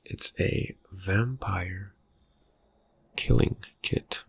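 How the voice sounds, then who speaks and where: A man playing a reclusive, slyly menacing vampire friend in an ASMR roleplay, murmuring haltingly in a raspy, breathy voice with dry suspicion. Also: sits low, full character voice. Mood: guarded, suspicious. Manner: hesitant, halting, laconic, dryly suspicious. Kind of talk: ASMR roleplay, soft-spoken character talk.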